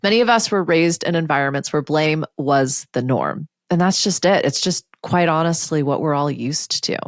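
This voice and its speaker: A woman hosting a solo podcast, speaking in a candid, conversational way with the odd curse word and quick put-on voices for other people. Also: sits low, expressive, no echo, studio quality. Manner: candid, conversational, occasionally profane. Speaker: podcast host and coach. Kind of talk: casual solo podcast talk.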